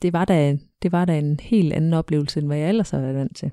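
Very deep and low in pitch, a woman's voice carries a dark, mellow tone with ordinary pitch variation. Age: 30s. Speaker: guest sharing swinger club experience. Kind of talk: casual interview. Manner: halting.

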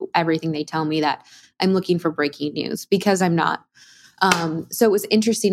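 This woman talks at a fairly quick pace. Her pitch is medium, with ordinary variation. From Michigan, US Midwest. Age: 20s. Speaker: sports team reporter. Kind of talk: casual interview.

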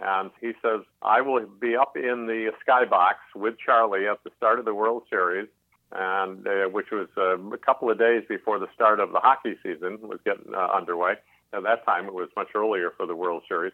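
A man with an American accent and an ordinary speaking voice, fairly low in pitch, fairly even in intonation, at a moderate pace. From US Midwest, Chicago. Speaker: sports broadcaster. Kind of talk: interview, casual storytelling.

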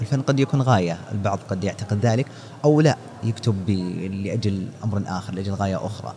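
Over noticeable background noise, a man speaks at a moderate pace in a fairly low pitch with ordinary pitch variation. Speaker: podcast host. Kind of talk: interview. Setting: book fair.

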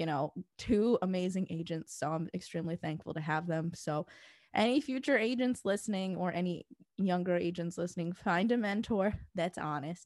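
A woman's plain, everyday voice with an American accent, fairly low in pitch with ordinary pitch variation, at a moderate pace, dry and close with no echo on a very clean recording with a silent background. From South Florida. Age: 20s. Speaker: podcast host, sports agent. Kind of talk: casual chat.

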